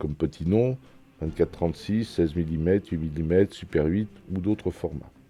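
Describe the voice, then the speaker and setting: The pace is fairly quick. Pitch variation stays ordinary. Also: man. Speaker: amateur narrator of a short film. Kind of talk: scripted narration.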